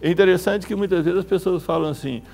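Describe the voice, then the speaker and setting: Gravelly psychologist man. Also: high-pitched, a little mellow. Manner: thoughtful, measured explanations. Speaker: psychologist guest. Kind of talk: explaining on a talk show. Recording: faint music behind.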